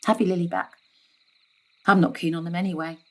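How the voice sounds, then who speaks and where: A woman's voice: on the low side, flat delivery, a little fast, background noise, lightly acted. A woman playing a long-suffering, middle-aged mother with a darkly wry, conversational manner in a dramatic thriller. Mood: brisk, menacing. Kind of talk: dramatic stage-thriller monologue and dialogue.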